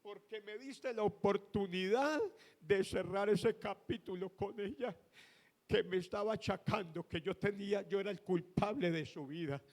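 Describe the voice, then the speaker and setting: A man's voice: high voice, normal speed, a little mellow. A middle-aged man preaching a sermon as pastor, with emphatic impassioned bursts. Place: church hall. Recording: long reverb in a church hall.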